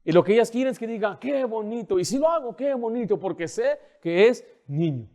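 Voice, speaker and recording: A male pastor delivers a sermon in a church, with a notably high voice. He is animated and keeps firing questions at the congregation, often dropping into children's voices to make his point. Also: fairly quick. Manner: mimics children's voices in quotes.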